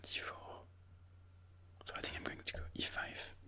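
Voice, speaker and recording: Speaking at a moderate pace, a person muses aloud in a breathy ASMR whisper, walking through their own chess game move by move.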